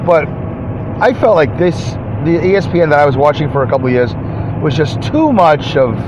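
A man's voice: fairly high pitch, very animated, a little fast. A man hosting a solo podcast, rambling and self-deprecating with lots of fillers, sounding congested. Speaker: podcast host. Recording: dull lo-fi sound with noise.

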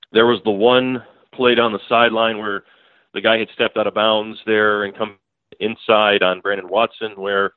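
Over a tinny phone call with no room sound, a lowish-voiced man, the show's guest beat writer, talks through a football game. His casual sports analysis rambles, full of fillers and restarts.

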